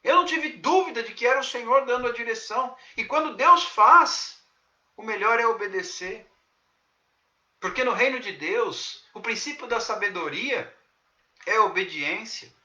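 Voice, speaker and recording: Man, pastor, earnest testimony sermon, high ringing voice, dramatic pauses. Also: animated, pushed and bright. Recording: echoey room.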